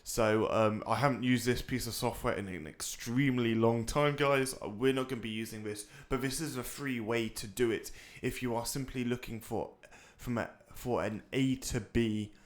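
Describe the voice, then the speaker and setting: A man's voice: mid-range voice, fairly even intonation, moderate pace, hardly any pauses. A young man co-hosting a flight-sim tutorial, chatting casually and rambling with many fillers and restarts. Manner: rambling, filler-heavy, hesitant.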